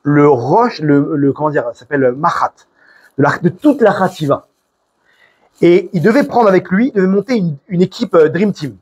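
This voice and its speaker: A man's voice: fairly high pitch, lively intonation, moderate pace, darkish tone, slightly rough, lo-fi sound. A man from France with a French accent, giving an informal sermon full of stories, restarts and Hebrew religious terms. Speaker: preacher.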